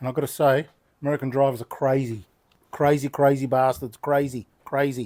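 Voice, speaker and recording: A man with an Australian accent talks fairly quickly in a dark, mellow tone, the sound dry and close with no echo. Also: medium pitch for a man. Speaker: knife sharpening youtuber. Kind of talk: casual tutorial chat. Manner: jocular, animated.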